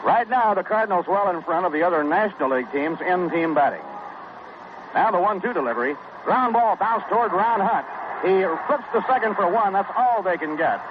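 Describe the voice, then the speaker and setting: A man doing radio play-by-play for a baseball game, brisk and even-toned, heard as an old AM radio broadcast. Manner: brisk, even-toned, reads stats between pitches. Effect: AM radio broadcast sound. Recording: tinny noisy 1960s AM radio broadcast.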